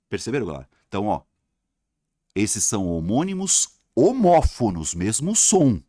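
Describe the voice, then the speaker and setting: Animated man teaching, dry sound. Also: fairly low pitch, dry recording. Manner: animated, repeats words for emphasis, acts out student questions. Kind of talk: video lesson.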